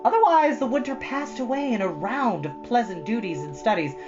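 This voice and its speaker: A woman's voice: a little high, lively intonation, a little fast, dull audio, music in the background. A woman reading a children's book aloud as storyteller, with dramatic emphasis and informal, chatty asides.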